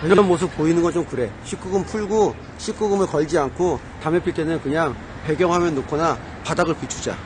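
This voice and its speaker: Noticeable background noise fills the recording. The talking is fairly quick, and its pitch varies in an ordinary way. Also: man, high pitch for a man. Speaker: internet live streamer. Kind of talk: live stream chat.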